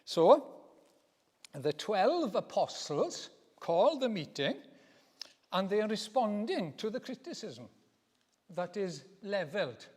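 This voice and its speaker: A man preaching a teaching sermon in a church, expressive and repeating phrases for emphasis. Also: sits high, takes it slowly, pauses often, breathy edge. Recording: reverberant church hall.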